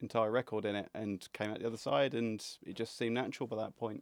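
In a southern English accent, a man speaks with a fairly low pitch and flat, monotone intonation. The sound is dry and close with no echo, on a very clean recording with a silent background. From England, Bedford. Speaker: recording engineer and producer. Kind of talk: casual interview. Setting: recording studio.

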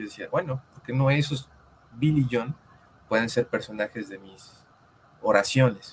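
A man at medium pitch speaks fairly slowly with ordinary pitch variation, big swings in loudness, and long, frequent pauses. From Mexico, Veracruz. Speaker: writer and literature scholar. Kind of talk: interview.

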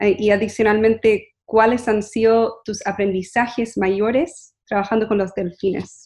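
A woman's fairly high voice with an American accent, fairly even intonation, a fairly slow pace and hardly any pauses. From United States. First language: English (speaking Spanish). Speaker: podcast co-host. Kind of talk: interview.

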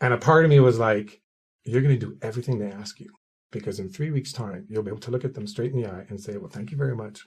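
With a Quebec accent, a man talks at a very fast pace and medium pitch, somewhat breathy, with lively intonation and big swings in loudness. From Canada, Quebec City (francophone area). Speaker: church convert sharing his story. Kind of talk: testimony.

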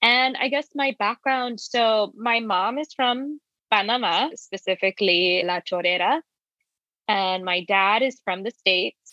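A woman with an American accent talks in a plain, everyday voice, fairly high in pitch, with ordinary pitch variation and a fairly slow pace. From Virginia, US. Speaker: actor and playwright. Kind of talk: casual interview.

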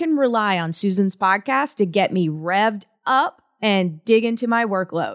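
This woman's animated tone carries very wide pitch swings around a fairly high pitch. She keeps a moderate pace against a quiet background. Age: 40s. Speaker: podcast host and life coach. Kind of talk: solo podcast monologue.

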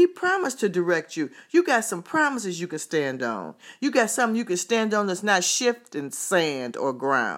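A woman speaks at a medium pitch and moderate pace with hardly any pauses, her pitch swinging very widely. Vocal fry comes through in a very clean recording with a silent background. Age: 70s. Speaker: pastor. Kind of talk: sermon.

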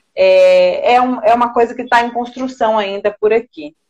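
A woman speaks with an unremarkable speaking voice, fairly high in pitch, with lively intonation. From Brazil, northern Minas Gerais (Montes Claros). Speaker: creative economy specialist. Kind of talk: casual interview. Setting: Instagram live video call.

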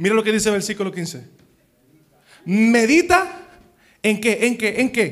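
The speaker moves at a fairly slow pace, with long, frequent pauses. The intonation is lively. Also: man, high pitch for a man. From Puerto Rico, Dominican father. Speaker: pastor. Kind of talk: sermon. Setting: church with congregation. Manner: animated, repetitive.

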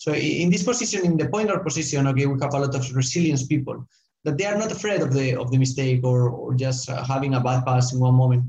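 At a very fast pace, a man with a Spanish accent speaks at a fairly high pitch with ordinary pitch variation. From Spain. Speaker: basketball coach and sporting director. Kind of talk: monologue talk. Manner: halting.

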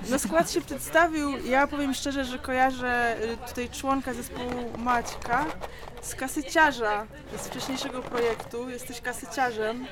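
The voice moves at a fairly slow pace with ordinary pitch variation and big swings in loudness. Noticeable background noise sits behind it. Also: woman, high pitch for a woman. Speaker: radio interviewer. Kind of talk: casual interview. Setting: crowded club venue.

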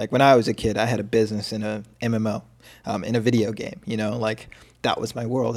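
The man's delivery is fairly quick. Behind him is silence in a very clean recording. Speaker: business owner, content creator. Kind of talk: casual chat, podcast interview. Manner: fast, high-energy, animated.

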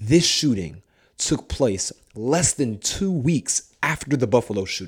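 A man with an American accent at a very slow pace, medium in pitch and somewhat breathy, with very wide pitch swings, on a very clean recording with a silent background. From Ohio. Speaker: podcast host. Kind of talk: solo podcast monologue.

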